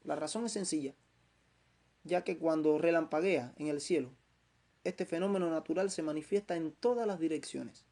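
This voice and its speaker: Give me a man preaching a Bible lesson. His voice is gravelly and dark in tone. He speaks slowly and emphatically, repeating phrases for stress. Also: on the high side. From Cuba. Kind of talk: Bible teaching sermon.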